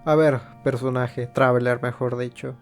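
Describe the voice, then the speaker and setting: A man, a native Spanish speaker, hosts a gameplay video. He reads dialogue and comments in a medium-pitched voice over light music. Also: level tone, moderate pace. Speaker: gaming video host. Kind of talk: reading game dialogue and commenting.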